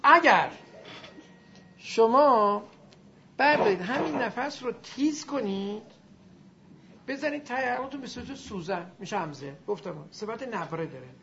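Animated classroom teacher who sounds out letters and quizzes students; gravelly, recorded lo-fi with faint noise. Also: medium pitch, pauses often. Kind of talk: classroom lesson on Arabic grammar and pronunciation.

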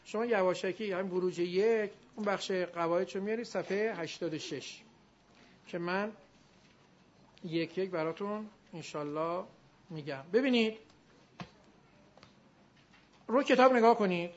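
A male teacher giving a classroom grammar lesson, drilling his students and drawing out example words slowly. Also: high-pitched. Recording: dull lo-fi recording.

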